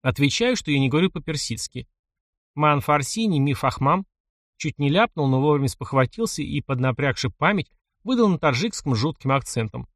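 A man's voice: medium pitch, very animated, brisk, dry recording, studio quality. Man narrating a wry audiobook. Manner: wry, ironic storytelling. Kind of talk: first-person audiobook narration.

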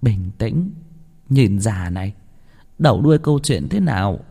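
A man voicing an old village woman who soothes a grieving young mother in a slow, gentle way. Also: on the low side, big pitch swings, gravelly, breathy edge, in a large hall, heavily acted. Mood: soothing.

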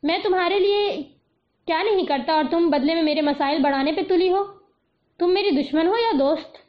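A curt young man with a flat, scolding delivery, as a woman reads him aloud in an audiobook. The voice sits fairly high. The recording sounds dull and lo-fi. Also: natural voice. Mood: angry. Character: stern curt young man, brusque and cold.

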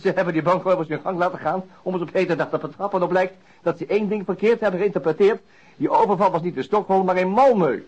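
A slightly muffled radio play recording of a wry detective with a fairly high voice. He talks fast and with animation, easily amused by what he hears. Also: breathy edge. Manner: animated, quick, conversational. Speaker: radio drama actor. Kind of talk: radio drama dialogue. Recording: dull lo-fi old radio recording.

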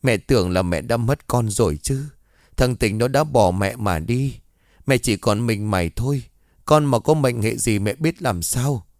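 A man's voice: medium pitch, unhurried, a little mellow, dry recording, studio quality, lightly acted. A man voicing a middle-aged mother who speaks choked with tears. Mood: grieving. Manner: choked, sobbing speech.

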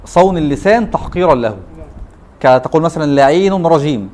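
A man with an Egyptian accent teaches a class at a brisk clip. His voice sits a bit high for a man. He keeps pausing to quiz his listeners with quick rhetorical questions. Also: lively intonation, darkish tone. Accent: Egyptian Arabic. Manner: quizzes students with repeated rhetorical questions. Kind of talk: classroom lecture.

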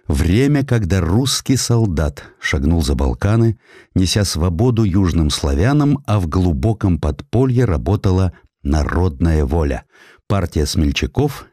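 A man narrating a historical story as an audiobook, in an expressive, dramatic storytelling manner. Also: low-pitched, no echo, studio quality.

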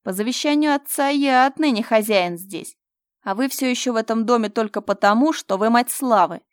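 A woman voicing a cruel, domineering young man who shouts threats. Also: fairly low pitch, fast talker, no echo, clean studio sound, close to an everyday voice. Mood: menacing.

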